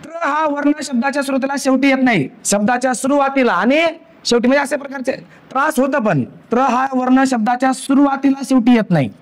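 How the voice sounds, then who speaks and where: A Marathi-accented man teaches grammar, his voice strikingly high. He poses questions to the class and supplies the answers himself, and afterward pronounces letters slowly, one after another.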